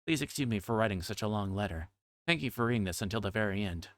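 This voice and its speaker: A man with a fairly low voice reads game text aloud on a livestream. The sound is dry, with little room in it. He tends to trip over harder words as he goes. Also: animated, quick pace, fairly bright tone, no room sound. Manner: stumbles over difficult words. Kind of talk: reading visual novel text aloud on a livestream.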